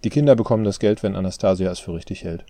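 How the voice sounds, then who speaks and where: A man with a low, dark voice playing a tired adult son who talks tersely and with strain, in an audiobook. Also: racing, dry recording. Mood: weary.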